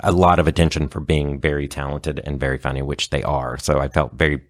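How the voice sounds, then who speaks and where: A man's voice: a bass voice, level tone, fairly quick, dry recording, clean studio sound. A man speaking as a guest in a casual interview, chatty and earnest about his performing. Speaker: guest, sketch and radio play performer.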